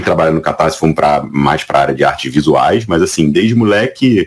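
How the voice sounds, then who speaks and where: Against noticeable background noise, a man talks at a fairly quick pace. His very deep, low voice has lively intonation. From Rio de Janeiro, Brazil. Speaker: crowdfunding platform executive. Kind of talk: interview.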